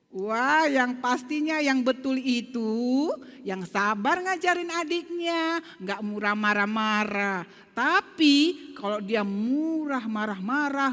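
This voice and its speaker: High-voiced woman teaching Sunday school. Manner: lively, coaxing, asks children questions. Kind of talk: children's Sunday school lesson. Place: church hall. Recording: church live stream with long reverb.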